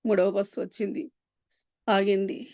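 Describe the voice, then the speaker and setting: A woman giving an emotional personal testimony, earnest and pleading, with pauses and many fillers. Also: mid-range voice, level tone, darkish tone, no echo. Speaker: Christian testimony speaker. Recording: dull, dry lo-fi sound.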